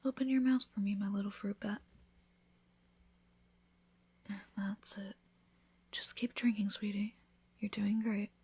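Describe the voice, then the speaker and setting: A woman playing a devoted newlywed vampire wife in an intimate ASMR roleplay, speaking softly, often in a whisper, with an affectionate, reassuring manner. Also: medium pitch, fairly even intonation, normal speed. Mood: soothing, careful. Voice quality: soft, breathy, often whispered.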